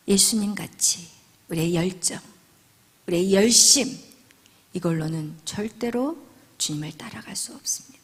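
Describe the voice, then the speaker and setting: A woman's voice: on the high side, slightly rough. Woman preaching dramatically in a reverberant hall. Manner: dramatic swings between loud and hushed whispers. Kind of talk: sermon.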